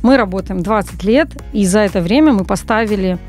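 A woman in her forties, a copywriter guest on a radio talk show, telling stories in an animated way with frequent hesitations, speaking into a studio microphone. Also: mid-range voice, fairly quick, soft background music. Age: 40s. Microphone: large studio mic on boom arm, wearing headphones.

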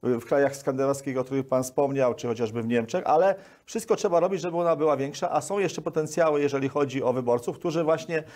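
A man's voice: medium pitch, quick pace, hardly any pauses, a little mellow. A Polish man in his sixties answering interview questions as an official, wordy and repeating words mid-sentence, on a lapel microphone. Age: 60s. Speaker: guest, local government official.

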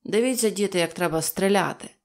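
Pompous portly gentleman, boastful, loud; a woman reader voices him. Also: mid-range voice, brisk, natural voice. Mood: self-important. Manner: self-important, loud.

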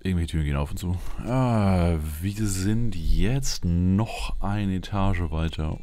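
A man's voice: deep voice, slow pace, mellow. A man giving casual roleplay gameplay commentary, muttering his thoughts aloud in fragments. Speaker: let's player. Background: game ambience.

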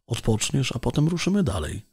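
Mężczyzna czytający łagodnym, namawiającym głosem młodego opiekuna chorego towarzysza. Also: male voice, medium pitch, sing-song, a little fast, a little mellow, breathy edge, pitched above the performer's own voice, full character voice. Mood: coaxing.

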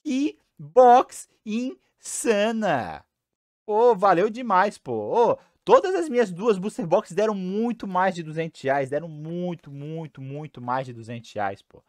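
A young man from Brazil hosting a card-opening video at home, talking casually through a headset while his voice is going hoarse. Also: high-pitched, measured pace, no echo, studio quality. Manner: chatty, excitable, repeats himself. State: losing his voice. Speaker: card-opening channel host. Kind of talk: casual unboxing chat. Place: small room at home, indoors.

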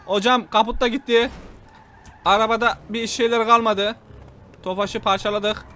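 High, bright excitable young man gaming. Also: normal speed, a little hiss or hum. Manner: excitable, loud exclamations, repeats his lines, laughs often. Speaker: gameplay streamer. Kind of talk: excited gameplay commentary.

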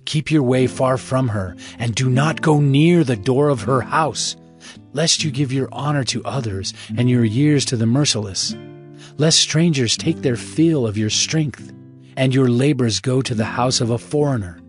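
A man's voice: mid-range voice, a little slow. A man giving a dramatized scripture reading as narrator, in a solemn, fatherly, exhorting manner. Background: music.

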